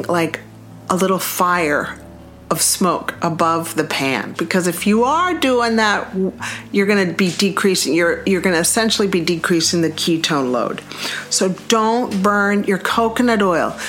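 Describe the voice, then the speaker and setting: A woman who is a medical doctor hosting a health podcast, talking to listeners in an enthusiastic, emphatic way and repeating words for stress. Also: mid-range voice. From Cuban heritage.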